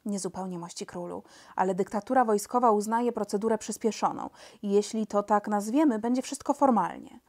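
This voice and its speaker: A woman's voice: mid-range voice, brisk, few pauses, a little mellow, lightly acted. A woman doing a pedantic minister of justice. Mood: formal. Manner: formal, legalistic.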